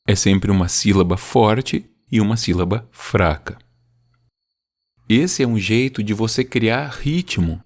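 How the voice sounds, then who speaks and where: Low-voiced man explaining poetic meter. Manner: teaching, speaks examples out slowly to stress the beat. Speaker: podcast host. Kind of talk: casual explanatory talk about poetry.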